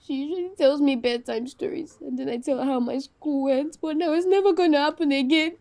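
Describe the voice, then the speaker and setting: A woman's voice: high voice, fairly quick, dark tone. A woman playing a grieving orphaned young girl who pleads and sobs over and over. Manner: repeats pleas, sobbing. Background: music score.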